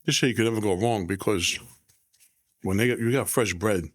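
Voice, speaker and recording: A man hosting a podcast, chatting and joking in a relaxed way over lunch. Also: on the low side, fairly quick, no echo, studio quality. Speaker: podcast host. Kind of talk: casual chat over food.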